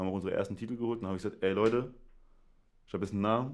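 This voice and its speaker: Fairly even intonation in a male voice of fairly low pitch. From Koblenz, Germany. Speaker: dance coach and studio founder. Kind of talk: casual interview.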